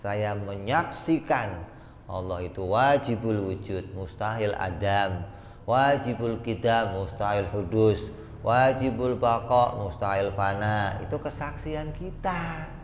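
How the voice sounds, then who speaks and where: Slow-talking man teaching in an echoey hall. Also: fairly low pitch. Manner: conversational, fires rhetorical questions at listeners; chants lists of terms in a steady cadence. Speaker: religious teacher. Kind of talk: Islamic study lecture. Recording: echoey hall with faint background noise.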